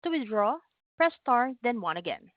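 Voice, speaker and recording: A woman's voice: on the high side, sing-song, moderate pace, dry recording. A woman conference operator reading scripted announcements and instructions on a slightly dull call line.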